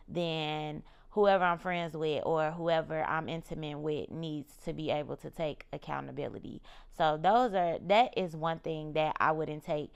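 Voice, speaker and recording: Podcast host, woman in her thirties: deep, fry-edged voice, candid and emphatic, repeats her point. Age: 30s. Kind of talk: personal reflective monologue.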